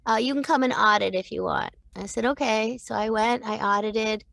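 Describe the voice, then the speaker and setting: A woman's voice: a little high, moderate pace, gravelly, a bit bright, no echo. A woman in her fifties, a voice actor, telling long rambling stories in a casual interview, with many restarts and little quoted voices. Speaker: voice actor guest.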